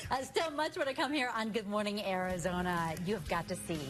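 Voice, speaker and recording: A woman's voice: medium pitch, fairly quick, over music. An American woman co-anchoring morning news in a studio, reading stories in an informal, conversational way with casual banter. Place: television studio.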